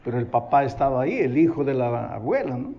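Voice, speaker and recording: A male pastor preaching a sermon, animated, asking rhetorical questions and telling stories. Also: mid-range voice, fast talker, muffled recording.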